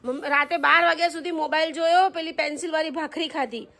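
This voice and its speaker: Mom vlogger in her thirties, high and bright, chatty and teasing with her kids. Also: fairly even intonation, quick pace. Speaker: mother and vlogger. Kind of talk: casual family vlog.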